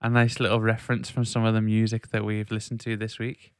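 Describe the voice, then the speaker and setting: A man's voice: on the low side, completely flat delivery, fairly quick, clean tone, dry recording, clean studio sound. Chatty male podcast host. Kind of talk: casual chat.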